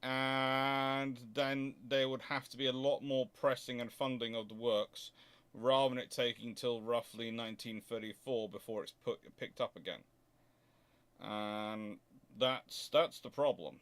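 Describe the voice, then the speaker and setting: Clear-voiced man thinking through answers aloud. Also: medium pitch, steady tone, a bit bright. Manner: hesitant, thinking aloud, halting then rushing. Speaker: host answering viewer questions on naval history. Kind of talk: unscripted explanatory Q&A talk.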